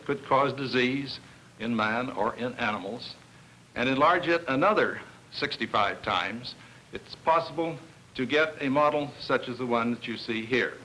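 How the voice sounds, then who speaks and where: A man's voice: medium pitch, bright, forceful tone. A man giving an explanatory, emphatic science lecture as a virologist presenting an educational film. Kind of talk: science lecture demonstration with models. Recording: noisy 1960 educational film soundtrack.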